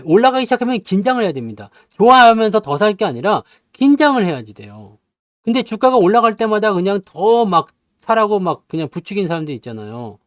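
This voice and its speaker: High, bouncy male stock lecturer. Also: no echo, clean studio sound. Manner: lively, teasing, constantly prods listeners with "eh?"; acts out bits with sound effects and playful asides. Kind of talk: casual lecture.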